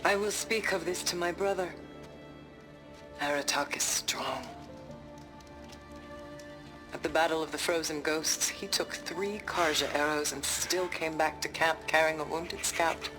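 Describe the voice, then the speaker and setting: A woman's voice: low-pitched, a little slow, pauses often. A woman playing a solemn, earnest tribal shaman and devoted sister in a video game. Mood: solemn, proud. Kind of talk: scripted video game dialogue. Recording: music behind the voice.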